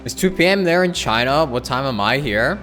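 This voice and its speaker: A man streaming a game with an average-pitched voice. He comments in an offhand, rambling way, as in casual chat. Soft game music plays faintly behind him. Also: animated, fairly quick.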